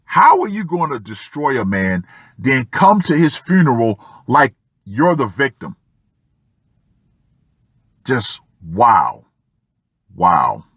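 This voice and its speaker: A man giving opinion commentary as an online host, emphatic and fond of dramatic pauses. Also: medium pitch, huge pitch swings, fairly bright tone, husky, no echo. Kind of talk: opinion commentary on a Reddit post.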